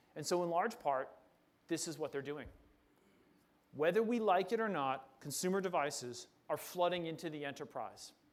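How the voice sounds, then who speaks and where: In an American accent, a man with a high voice speaks at a moderate pace with ordinary pitch variation and long, frequent pauses, and room echo is audible. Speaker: tech executive giving keynote. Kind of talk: conference keynote. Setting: stage with audience.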